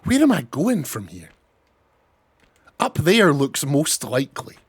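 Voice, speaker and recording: A chatty young man with a mild Scottish accent talks through a game stream in a fairly high voice. He is quick to get excited, swears casually and chats to his viewers directly. The sound is dry and close, with almost no room. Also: slightly rough, no echo. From Scotland. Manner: chatty and excitable, swears, reads out chat names. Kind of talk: casual live-stream gameplay chat.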